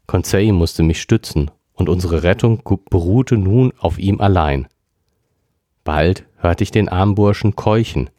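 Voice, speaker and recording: A man reading a classic novel aloud as a podcast narrator, in a steady storytelling manner. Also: deep voice, a little slow, no room sound, clean studio sound. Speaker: podcast reader. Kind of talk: audiobook reading.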